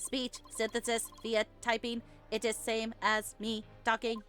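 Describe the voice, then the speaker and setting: Woman putting on a stilted robotic male witness. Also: fairly high pitch. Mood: flat, detached. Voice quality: robotic, flat, stilted delivery. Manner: clipped, terse, halting phrases. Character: robotic-voiced male bomb disposal witness, terse and detached. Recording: game music behind the voice.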